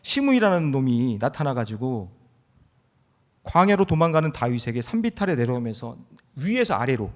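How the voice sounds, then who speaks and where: Lively middle-aged Korean-church pastor, man. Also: medium pitch, moderate pace. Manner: lively and conversational, with jokes and rising emphasis. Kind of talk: Sunday sermon. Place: church sanctuary.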